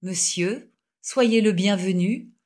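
A woman's voice: mid-range voice, slow, darkish tone, close to an everyday voice. A woman reading the lines of a shy, emotional middle-aged male schoolmaster in an audiobook, timid and hesitant.

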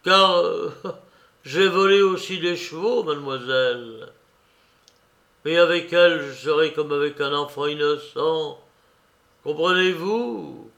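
A man playing a loud, defiant gypsy bandit. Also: a little high, takes it slowly. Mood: exalted. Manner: loud, boisterous, defiant outbursts. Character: brash condemned male gypsy bandit. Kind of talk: audiobook character voice.

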